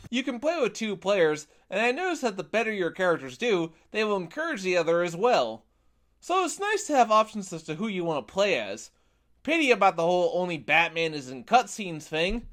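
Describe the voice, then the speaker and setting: A man with a high, very animated voice narrates a scripted video game review. He is opinionated and drops in wry, sarcastic asides.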